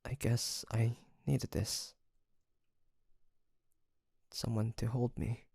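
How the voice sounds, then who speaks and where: A man playing a weary, guarded but tender demon hunter in an intimate audio drama, speaking softly and haltingly. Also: mid-range voice, little pitch movement, creaky, slightly rough, no echo, studio quality, exaggerated voice. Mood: tender, grateful. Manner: hesitant, halting, sighing, soft-spoken.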